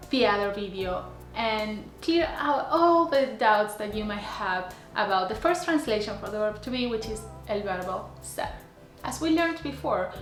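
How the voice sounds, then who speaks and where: A woman, teaching to camera in a clear, deliberate way and slowing down to spell out example phrases. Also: on the high side, roomy sound. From Argentina. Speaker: Spanish teacher. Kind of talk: scripted language lesson to camera. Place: small indoor room before a plain grey wall. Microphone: camera framed head and shoulders.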